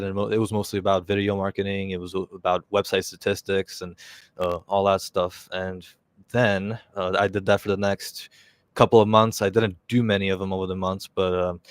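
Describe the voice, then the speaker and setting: A man's voice: on the low side, clean tone, no room sound. A young man of about twenty, hosting a casual live stream and rambling with many fillers and self-corrections. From Czech Republic. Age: around 20.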